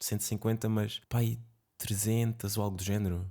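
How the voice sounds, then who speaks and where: In a very clean recording with a silent background, a man talks at a very fast pace, his medium-pitched voice dark and mellow in tone. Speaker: podcast host. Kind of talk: casual solo podcast monologue. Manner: casual, filler-heavy.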